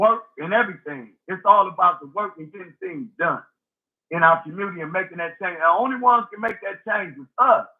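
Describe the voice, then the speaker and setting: Pitched high, a man speaks at a fairly quick pace with ordinary pitch variation and big swings in loudness. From Detroit, east side. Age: 50s. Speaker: former gang member. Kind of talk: interview.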